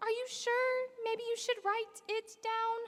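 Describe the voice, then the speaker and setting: In a put-on character voice, a woman speaks with an extremely high, squeaky pitch. Her delivery is monotone and flat, at a fairly slow pace. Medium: stage play. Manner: deadpan, formal.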